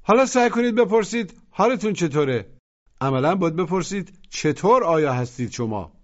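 A man's voice: high voice, very animated. A man teaching a language lesson, patiently prompting listeners to repeat after him. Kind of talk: instructional narration. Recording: muffled lo-fi audio.

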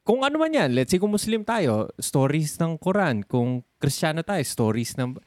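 A man's voice: fairly high pitch, very animated, normal speed, no echo, clean studio sound. A man with a Filipino accent in casual chat, teasing and mixing in English words.

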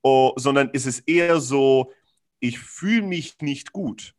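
In an unhurried, mid-range voice, a man talks through his feelings in a conversation. He gropes for words with lots of fillers and restarts, staying earnest and candid while throwing in blunt slang.

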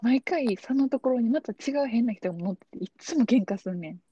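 A woman's voice: on the high side, animated, fairly quick, dark tone, slightly rough, dry recording, highs cut off. A young woman with a Kansai accent, chatting casually and telling anecdotes on a podcast. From Osaka, Japan. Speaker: podcast co-host. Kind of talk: casual chat.

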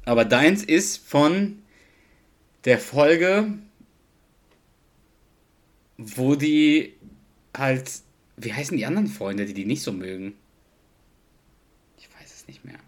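A man's voice: medium pitch, animated, takes it slowly, long pauses. A man co-hosting a casual podcast, chatting playfully with his friend, laughing and quoting lines. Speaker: podcast co-host. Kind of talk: casual chat between friends.

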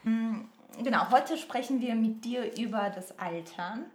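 A woman's voice: fairly high pitch, measured pace, darkish tone, roomy sound. A woman co-hosting a podcast who introduces the guest in a friendly, admiring way. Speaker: podcast co-host. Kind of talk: casual interview.

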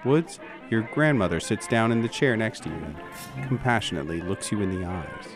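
A man's voice: fairly low pitch, expressive, brisk, over music. A man narrating scenes dramatically as game master of a roleplaying audio drama.

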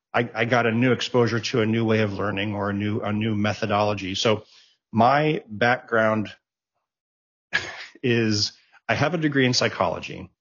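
In a muffled recording, a middle-aged man with a lowish, somewhat bright voice tells rambling stories as a casual interview guest, often restarting and repeating words. He works in tech and was born in Japan but raised abroad in Germany.

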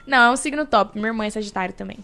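High-voiced playful Brazilian woman. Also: very fast, creaky, sharp tone. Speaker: livestream guest. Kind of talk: casual chat. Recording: chatter of people behind the voice.

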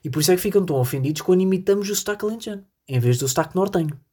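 Podcast host: husky, rambling, jokey solo bit aimed at the listeners. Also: medium pitch, lively intonation, rapid-fire, warm tone. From northern Portugal. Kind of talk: solo comedic podcast monologue.

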